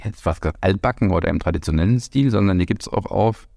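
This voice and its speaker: A wry man with a Hessian accent, co-hosting a relaxed podcast chat. His voice sits fairly low, and he breaks his sentences up with fillers. The recording is dry and close. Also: fast, gravelly, dry recording. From Franconia. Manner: wry, talks in stops and starts. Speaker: podcast co-host. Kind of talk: casual chat. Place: home party room.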